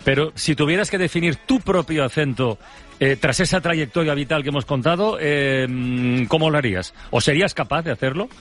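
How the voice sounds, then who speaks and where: A man hosting a radio interview, quick and chatty, joking as he goes. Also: on the high side, a bit bright. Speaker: radio host.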